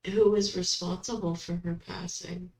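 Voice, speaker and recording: A woman hosting a paranormal session, asking questions aloud and commenting casually, with halting pauses between them. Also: lowish voice, little pitch movement, darkish tone. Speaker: host of a spirit box session. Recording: roomy echo, background noise.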